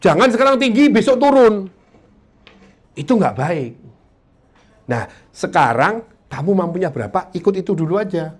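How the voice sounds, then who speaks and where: A man runs a motivational sales session. His somewhat high voice swings widely in pitch as he jokes and acts out conversations with clients. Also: moderate pace, long pauses. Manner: lively, joking, acts out client dialogues. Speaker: insurance sales trainer. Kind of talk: motivational training talk to a live audience.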